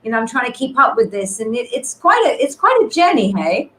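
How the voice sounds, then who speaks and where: A woman's voice: on the high side, big pitch swings, brisk, a bit bright. A woman chatting casually in a chatty, upbeat way as a guest contributor. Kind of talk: casual chat. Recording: echoey room with faint background noise.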